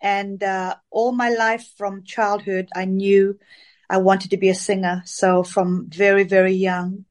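A woman's voice: mid-range voice, flat delivery, measured pace. Chatty woman singer from Zambia. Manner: chatty, rambling with fillers. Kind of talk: casual interview.

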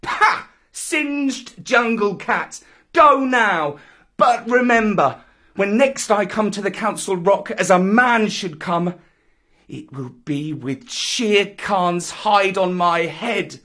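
Storybook jungle boy, voiced by a man: high, swooping, defiant, declaims in archaic phrases. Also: lively intonation, slow, sharp tone, exaggerated voice. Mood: scornful, fierce. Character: defiant young jungle boy, proud and commanding. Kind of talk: dramatic storybook reading.

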